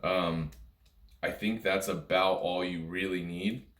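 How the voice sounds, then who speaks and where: Deep voiced guy explaining music stuff casually, kinda rambly, echoey room. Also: steady tone, slow pace, fairly bright tone. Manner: informal, rambling, repeats points. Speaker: music teacher. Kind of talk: casual instructional talk to camera.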